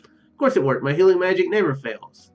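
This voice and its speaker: A man's voice: high voice, animated, brisk, lo-fi sound, soft background music. A man voicing a shy, kind young female mage from a visual novel, speaking hesitantly and earnestly. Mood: reassuring.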